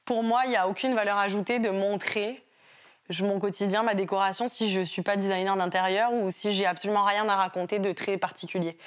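Young woman guest, hybrid French-Québécois accent, lively storyteller. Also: medium pitch, brisk. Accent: mix of French and Québécois. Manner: animated storytelling, acts out quotes. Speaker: YouTuber guest. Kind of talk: casual interview talk.

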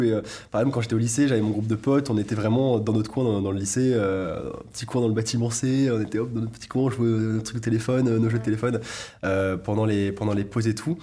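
Young man in his 20s, casual interview guest; hesitant, restarts a lot, mid-pitched voice. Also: dark tone. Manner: hesitant, many fillers and restarts. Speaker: YouTuber guest.

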